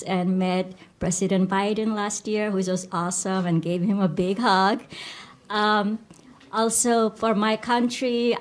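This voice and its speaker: A young woman from Bangladesh speaks at an awards ceremony. She sounds eager and upbeat and strings her thoughts together in quick run-on clauses. Her pitch is middle of the range. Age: young adult. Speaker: award recipient and health policy analyst. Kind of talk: acceptance speech.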